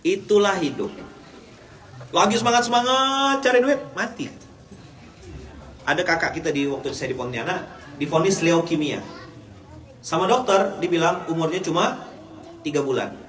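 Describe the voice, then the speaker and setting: A man's voice: on the high side, expressive, moderate pace, pauses often, a bit bright, reverberant. A man from Indonesia preaching a humorous sermon to a live audience, teasing the crowd and asking them questions. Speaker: Islamic preacher. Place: hall in Japan.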